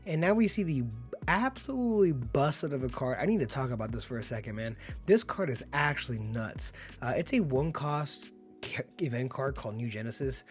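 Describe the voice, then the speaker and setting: Guy with a bit of a sick hoarse voice doing chill card game commentary, faint music behind. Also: medium pitch, animated, moderate pace. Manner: upbeat, laid-back, laughs often. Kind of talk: casual play-by-play commentary.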